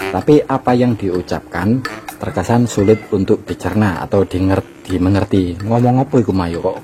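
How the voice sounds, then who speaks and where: A man with a very low voice and a Javanese-region Indonesian accent narrates an informal explainer. He speaks colloquially, addressing the listener like a buddy. Music plays clearly behind him. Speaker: DIY electronics video host.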